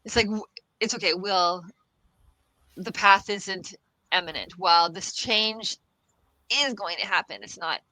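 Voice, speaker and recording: Woman podcast guest, bright and dry close-mic sound, reassuring, laughs a lot, repeats phrases. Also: mid-range voice, expressive, measured pace, long pauses, dry recording, poor audio. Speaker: guest expert on the future of work. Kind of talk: casual podcast interview.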